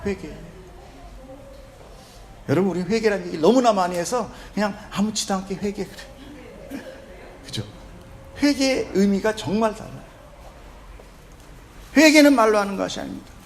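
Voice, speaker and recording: A man's voice: high-pitched, normal speed, pauses often, a little hiss or hum. A man preaching a sermon as pastor, emphatic and often putting questions to the congregation. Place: church service in a hospital.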